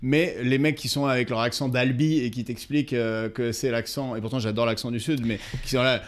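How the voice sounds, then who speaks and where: A man's voice: medium pitch, steady tone, a little fast. Wry, teasing male co-host. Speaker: podcast co-host. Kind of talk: casual chat.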